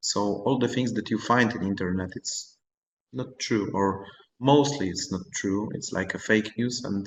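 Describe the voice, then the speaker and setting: Someone with a Polish accent speaks at a fairly slow pace with ordinary pitch variation. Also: man, fairly low pitch for a man. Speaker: teacher and presenter. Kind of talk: webinar presentation. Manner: halting.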